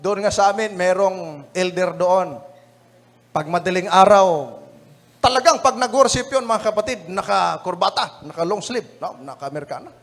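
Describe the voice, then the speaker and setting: This Filipino-accented evangelist has a high, slightly bright voice at normal speed. In his lesson-review sermon he tells funny stories, chats, laughs a lot, and keeps calling the brethren "mga kapatid."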